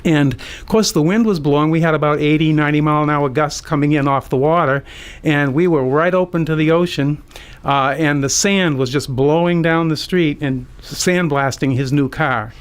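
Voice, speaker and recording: Radio storyteller: American male, 60s, slightly high-pitched, anecdotal and amused delivery, unscripted. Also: moderate pace, smooth. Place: community radio studio.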